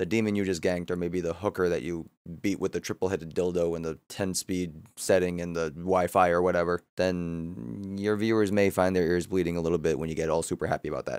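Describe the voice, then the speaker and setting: A man's very deep, low voice at a very fast pace, with fairly even intonation, dry, close sound with no echo, and a very clean recording with a silent background. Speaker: gaming YouTuber reviewing gear. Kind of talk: product review. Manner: casual, with fillers.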